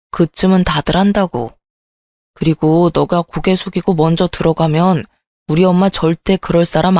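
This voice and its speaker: A dismissive young husband, voiced by a woman reading the story, offhand and impatient. The voice is pushed noticeably below the narrator's own pitch. The recording is dry and close. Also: a little mellow, no room sound, natural voice. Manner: offhand and brushing off complaints.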